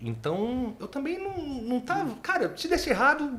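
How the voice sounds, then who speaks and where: A man with a Paraná accent speaks at a fairly slow pace against noticeable background noise. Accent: Paraná accent, still kept. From Paraná, Brazil (Curitiba). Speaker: pharmacy company CEO. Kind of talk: podcast interview.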